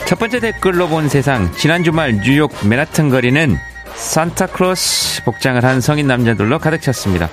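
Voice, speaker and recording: Speaking over music, a man with a slightly high voice sounds very animated and brisk. He's a Yeongcheon-born radio host with a Daegu-Gyeongbuk accent, working at a studio microphone in a radio studio, where he chats casually, shares listener messages, and laughs easily.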